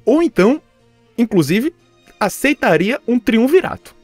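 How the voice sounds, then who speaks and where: A man from Recife, co-hosting a podcast in a casual, animated, joking way. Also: very high-pitched, measured pace, no echo, soft background music. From Recife, Brazil. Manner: animated, joking, bursts into laughter. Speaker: podcast co-host.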